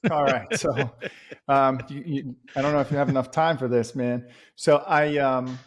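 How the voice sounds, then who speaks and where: A man in his forties from Venezuela tells his story at an easy, relaxed pace. He fills his talk with "um" and "dude" and keeps it casual. He speaks close into a boom mic in a studio, at an ordinary mid pitch. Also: normal speed. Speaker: podcast host and guest. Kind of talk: casual interview chat. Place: studio with a bright neon sign on a plain wall.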